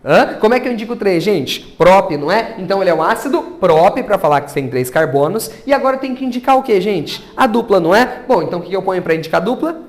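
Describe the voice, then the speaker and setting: A man's voice: high-pitched, expressive, fast talker, few pauses. A man with a Brazilian Portuguese accent teaching a chemistry class, asking his students questions and then answering them himself. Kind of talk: classroom lecture.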